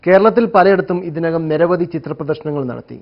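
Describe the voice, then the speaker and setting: A man's voice: fairly quick, music in the background. A man narrating a scripted magazine feature for a programme. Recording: muffled, low-fidelity broadcast audio.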